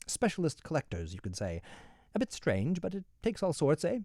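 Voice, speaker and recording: A man's voice: fairly high pitch, wildly swooping pitch, moderate pace, a little mellow, no echo, clean studio sound, full character voice. A man voicing a cheerful, businesslike young hangman who chats politely and keeps saying sir, in a voice raised above his own. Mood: eager. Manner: friendly, businesslike, says "sir" often. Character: cheery young male hangman, eager and chatty.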